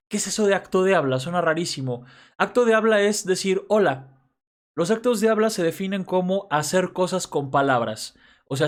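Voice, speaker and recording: A man giving a casual grammar lesson, talking conversationally and often checking in with his listeners. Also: fairly high pitch. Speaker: teacher.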